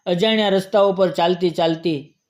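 Slightly high-voiced male storyteller. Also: fairly even intonation, moderate pace, a little mellow. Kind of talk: scripted story narration.

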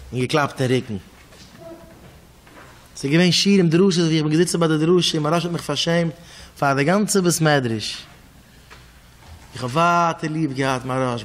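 A man with a Hasidic Yiddish accent giving a sermon as a rabbi, telling stories with sudden swings in loudness and repeated words. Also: a little high, in a large hall.

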